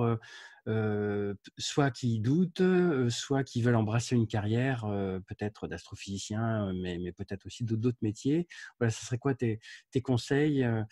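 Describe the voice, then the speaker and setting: A man asks long, winding interview questions, repeating words as he frames them. His voice is mellow and warm at a middle pitch, recorded dry and close. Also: no echo. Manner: halting, repeats words while framing questions.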